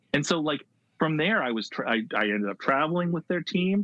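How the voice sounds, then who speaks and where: A man with an American accent, very wide pitch swings and a fairly quick pace. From US Northeast, Philadelphia suburbs. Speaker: graphic designer. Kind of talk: casual interview chat.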